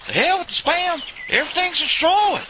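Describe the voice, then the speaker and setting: A man's voice: very high voice, animated, normal speed. A man playing a whiny, distraught backwoods hillbilly in an audio drama, wailing with a rural Southern US accent. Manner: wailing, folksy. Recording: loud noise, chirping birds.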